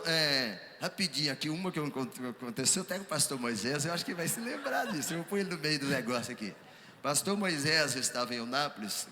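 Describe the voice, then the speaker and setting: A man, a pastor telling his story on a ministers' panel, acting out the dialogue with lively energy. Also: medium pitch. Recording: hall reverb, faint background ambience.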